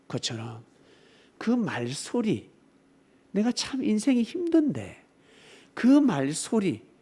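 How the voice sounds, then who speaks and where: A man preaching a sermon with a fairly high, very lively voice. He shifts from loud, emphatic declarations to quieter asides and keeps turning to the congregation with rhetorical questions. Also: slightly rough. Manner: emphatic preaching, swinging between loud exclamations and softer asides. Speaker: pastor.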